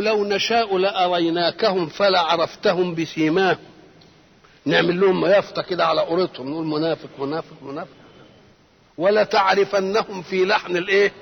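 An older man with an Egyptian Arabic accent delivers a Quran commentary lecture. His voice sits high and sounds husky. He often poses a question to his listeners and answers it himself, and the old recording carries a long echo from a large hall. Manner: asks the audience rhetorical questions and answers them himself. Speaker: religious scholar.

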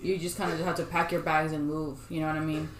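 A woman from El Salvador hosting a podcast interview, calm and reflective, asking and listening closely. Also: deep voice, fast. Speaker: podcast host. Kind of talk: casual interview. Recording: roomy room with faint noise.

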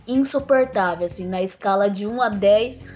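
Speaking softly in a conversation, a woman shares her own story earnestly but haltingly, full of fillers and false starts. Her mid-range voice has stayed a little rough since her tracheostomy. Soft music plays in the background, and the recording's high frequencies are cut off.

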